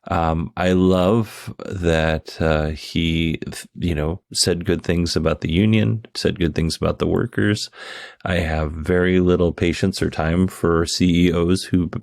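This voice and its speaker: A man's voice: sits low, fairly even intonation, measured pace, vocal fry, darkish tone, no echo, studio quality. A man giving casual, opinionated commentary as a host, explaining things in a conversational way. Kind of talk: casual commentary on a company earnings call.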